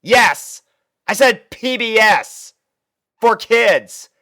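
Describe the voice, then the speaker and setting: A man giving an expressive, dramatic first-person reading of a story as an exasperated student. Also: high voice, drawn-out words, no room sound, studio quality. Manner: expressive, theatrical delivery with sighs. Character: exasperated young male student narrating his life with a roommate. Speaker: fan fiction reader.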